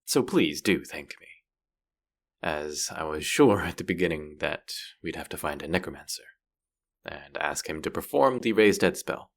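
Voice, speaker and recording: A bratty young rogue from a fantasy roleplay , acted by a man, with a very deep voice and a gravelly, creaky edge. He is a sardonic, swearing street rat who needles the listener with cocky banter. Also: lively intonation, normal speed, full character voice. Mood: mocking, teasing. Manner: teasing, foul-mouthed, sardonic banter. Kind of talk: character roleplay audio drama spoken to the listener.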